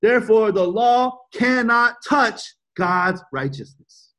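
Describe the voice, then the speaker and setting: Male pastor, high voice, emphatic preacher who repeats key points. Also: slow pace, bright, forceful tone. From United States. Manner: emphatic, repeats points, asks the audience questions. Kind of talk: sermon.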